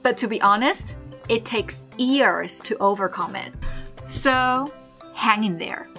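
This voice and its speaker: A woman's voice: on the high side, slow pace, sharp tone, faint music behind. Woman host, earnest. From Taiwan. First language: Mandarin. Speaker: host and English learner. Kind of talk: casual interview then talk to camera.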